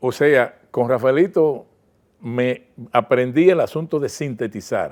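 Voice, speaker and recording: Pitch moves in an ordinary way as the speaker talks at a very slow pace. The recording is very clean, with a silent background. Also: man, medium pitch for a man. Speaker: broadcaster and advertising professional, columnist. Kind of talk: interview answer.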